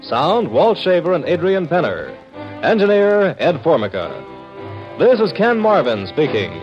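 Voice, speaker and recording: A man's voice: on the high side, sing-song, unhurried, dull audio. A man with an American accent announcing a radio show from a script in an emphatic, theatrical 1950s style. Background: loud orchestral music.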